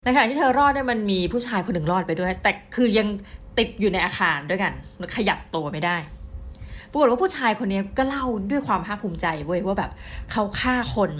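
A middle-aged woman giving a casual book review, chatty and excitable, often speaking straight to her viewers. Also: mid-range voice, a little hiss or hum. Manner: chatty, addresses viewers directly, excitable storytelling.

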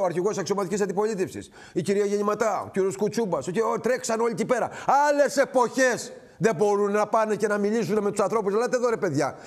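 Brief: middle-aged male host, fairly high voice, indignant rhetorical monologue, piles up lists and direct appeals. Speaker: TV current-affairs host. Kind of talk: impassioned political commentary monologue.

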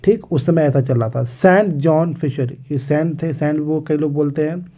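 A man teaching an exam lesson on English literature, reading English passages slowly and explaining them with many hesitations. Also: on the high side. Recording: dull lo-fi recording.

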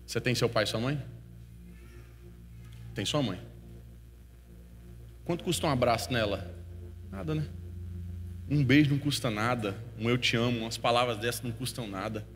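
A man preaching a sermon, telling a story with feeling and swinging from hushed to loud. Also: medium pitch, normal speed, long pauses. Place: church hall. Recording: long hall reverb with faint music.

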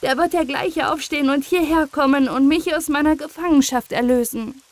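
A woman's voice: high voice, normal speed, pitched above the performer's own voice, close to an everyday voice. A woman voicing a frightened, pious young boy who pleads in tearful prayer, in an audiobook reading. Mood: praying.

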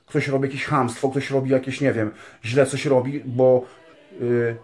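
A man's voice: medium pitch, flat delivery, moderate pace, a little mellow. A man speaking earnestly in a casual spiritual monologue, rambling with many fillers and tag questions and calling his listeners dear ones. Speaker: religious vlogger.

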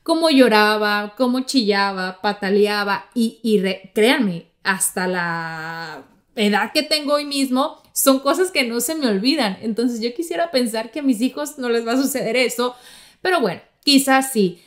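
A woman's voice: fairly high pitch, normal speed. A woman from Mexico with a Mexican accent, hosting a podcast and telling stories in a chatty way, talking straight to her listeners. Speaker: podcast host. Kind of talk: casual podcast monologue.

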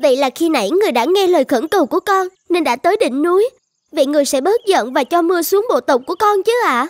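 A woman playing a devout, self-sacrificing young tribal maiden in an animated folktale, earnest and reverent. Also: extremely high pitch, fast, no echo, studio quality. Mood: humble wonder. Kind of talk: dubbed animated folktale acting.

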